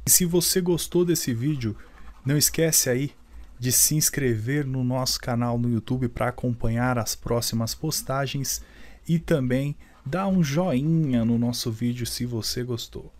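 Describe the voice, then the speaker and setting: A male teacher with a Brazilian Portuguese accent records a video lesson. His voice sits at a middle pitch, and his delivery is explanatory and patient. He repeats the key points and puts questions to the viewer to check understanding. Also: unhurried, a little mellow.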